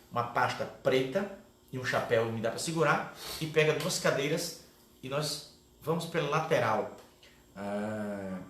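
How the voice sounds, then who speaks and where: Middle-aged man, mid-pitched voice, animated first-person storyteller, recorded in a large echoey hall. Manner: animated storyteller, often tags lines with "né?". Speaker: guest speaker at a catechesis. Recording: echoey room with faint background noise.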